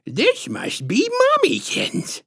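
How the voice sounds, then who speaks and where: A man voicing a huge, creepy, patronizing woman in a storybook, with a squishy-throated lisp and syrupy, drawn-out baby talk. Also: extremely high pitch, wildly swooping pitch, creaky, a bit bright, pitched above the performer's own voice, heavily acted. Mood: sickly sweet.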